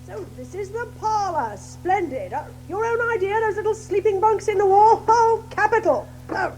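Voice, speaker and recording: Hearty water rat fellow, high voice, super animated, kindly and bustling, old-timey chummy, storybook radio play. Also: female voice, normal speed, soft background music, low-quality recording. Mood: cheerful, encouraging. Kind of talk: audio drama storybook acting.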